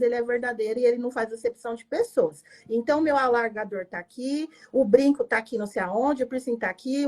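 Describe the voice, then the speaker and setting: A woman pastor tells her personal testimony in an emotional, emphatic way, often adding "né?". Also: on the high side. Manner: emotional, emphatic storytelling with frequent "né?".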